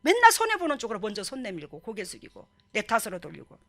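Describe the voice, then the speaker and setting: A middle-aged woman pastor, preaching a lively sermon and acting out quoted voices. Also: mid-range voice, quick pace, vocal fry.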